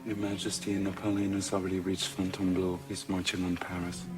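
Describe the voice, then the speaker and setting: An actor playing a male royal minister who speaks in a hushed, deferential and smooth way, heard from a distance over music. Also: low-pitched, monotone, brisk, lightly acted. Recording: distant voice with loud film music.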